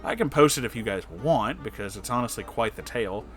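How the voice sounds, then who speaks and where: A man narrates an online story with dramatic, expressive phrasing in a casual register. His voice sits at an ordinary male pitch, and music plays clearly behind him. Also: brisk. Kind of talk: dramatic story reading with personal reactions. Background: background music.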